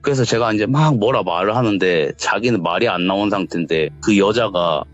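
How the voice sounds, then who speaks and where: A man, recounting a ghost story in casual talk and acting out the voices in it. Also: brisk. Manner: acts out quoted lines, shouting in a raised pitch. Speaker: interviewee telling a true ghost story. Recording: dull lo-fi sound with faint music.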